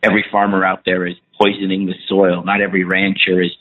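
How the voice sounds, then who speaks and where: A man's voice: low voice, monotone, fast. A middle-aged man from Iran, a film producer and actor, chatting in a rambling, enthusiastic way as an interview guest. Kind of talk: casual interview talk. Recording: tinny phone line.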